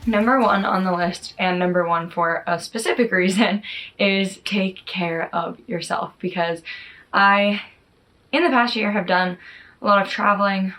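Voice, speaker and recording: Girl early 20s doing a chatty vlog, kinda lower voice, says like and you know a lot. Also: fairly bright tone. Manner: informal, peppered with "like" and "you know". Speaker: YouTube vlogger. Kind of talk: casual chatty talk to camera.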